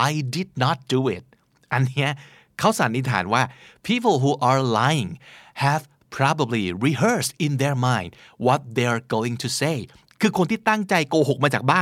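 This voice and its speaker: A male podcast host talks through examples at an unhurried pace, his pitch swinging up and down as he plays out little scenes. The recording is close and dry. He sounds casual and playful as he explains. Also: no room sound. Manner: lively, teaching English words with playful acted examples.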